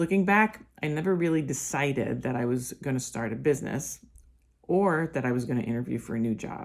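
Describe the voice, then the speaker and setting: A woman with an American accent speaks at a fairly quick pace. Her pitch is very deep and low, and her intonation is lively. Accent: New Jersey (occasional). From New Jersey. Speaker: executive resume writer. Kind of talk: personal story reading.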